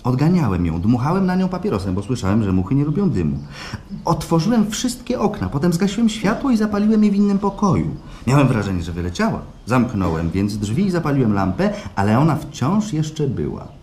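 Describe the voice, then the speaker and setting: An actor playing an obsessive, nervous client who confides in a fretful storytelling manner in a live radio play. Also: male voice, medium pitch, huge pitch swings, fairly quick, warm tone. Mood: agitated. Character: obsessive male client, nervously confessing, eerily elated. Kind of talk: live radio play acting, intimate monologue. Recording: noisy live stage recording.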